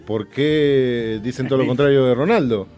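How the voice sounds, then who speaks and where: A man's voice: mid-range voice, moderate pace, mellow, soft background music. A man with a Rioplatense Spanish accent, co-hosting a casual chat full of teasing banter.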